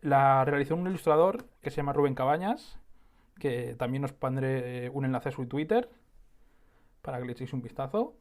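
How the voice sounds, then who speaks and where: A man's voice: mid-range voice, expressive, moderate pace, darkish tone. A man hosting his own podcast alone, explaining things in a chatty, rambling way and often correcting himself mid-sentence. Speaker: podcast host.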